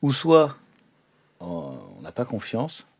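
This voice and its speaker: Man playing a suspicious captive, mid-pitched, lively intonation, blunt, mocking, improvised audio role-play. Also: takes it slowly, breathy edge, heavily acted. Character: suspicious, cheeky, fanciful green male captive.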